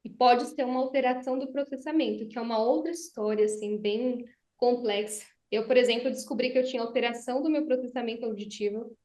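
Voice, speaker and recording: A woman's voice: on the high side, fairly even intonation, fairly quick, hardly any pauses, warm tone. A Brazilian woman, a speech therapist, explaining voice and breathing techniques in conversation and demonstrating them. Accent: Brazilian Portuguese. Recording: roomy echo.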